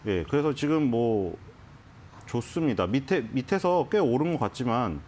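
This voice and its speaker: A man in a television studio walks through market picks in a casual, explanatory way. His voice is mid-pitched but moves around a lot as he talks, and he often restarts his sentences. A faint studio noise sits underneath. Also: normal speed. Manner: explanatory, animated, frequent restarts. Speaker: stock analyst guest. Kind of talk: conversational market commentary.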